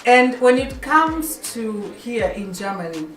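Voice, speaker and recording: A woman's voice: on the high side, very animated, measured pace, roomy sound, recorded from a distance, over music. A woman from Kenya whose first language is Kikuyu, hosting a radio show in a chatty way, often repeating and restarting words. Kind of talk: casual radio chat.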